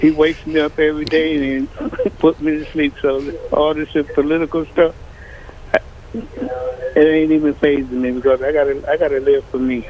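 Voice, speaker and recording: A man's fairly high, fairly even voice moves at a moderate pace over noticeable background noise. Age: 70s. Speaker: caller. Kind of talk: casual phone chat on radio.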